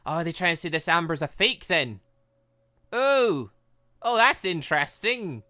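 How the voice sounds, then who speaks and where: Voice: mid-range voice, sing-song, measured pace, pushed and bright. A British let's play host giving casual commentary on a game, rambling and thinking aloud. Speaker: gaming video host.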